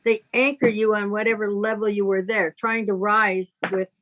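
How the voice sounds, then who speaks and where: A woman speaking conversationally as a spiritual teacher, deliberate and emphatic, with a moralizing way of talking. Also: medium pitch, little pitch movement, a bit bright, poor audio.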